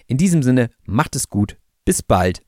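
A man hosting a language podcast, calmly and clearly explaining the meaning of words to learners. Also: medium pitch, measured pace. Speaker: podcast host and language teacher.

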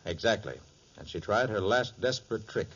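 A master detective from an old radio crime serial, assured and emphatic. His husky voice moves with lively inflection, on a dull vintage recording. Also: on the low side, moderate pace. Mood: assured, explaining. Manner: assured, emphatic, explains deductions crisply. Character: confident, sharp master private detective, adult man. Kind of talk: 1940s radio crime drama acting.

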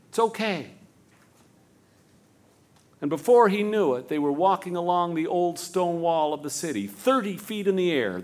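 A man narrating a live story in a light, fairly high voice. He strings long sentences together and drops to a slow hush for the tender parts. It sounds like a storyteller holding a room. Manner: slows to a hush for tender moments, building run-on sentences. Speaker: storyteller and host.

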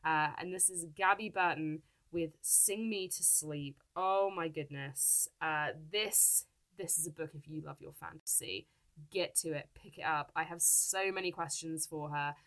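A woman's voice: low voice, measured pace, a bit bright. A woman hosting a podcast interview, her voice stuffy from a cold, gushing and enthusiastic, laughing often. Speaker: podcast host. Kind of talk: casual interview chat.

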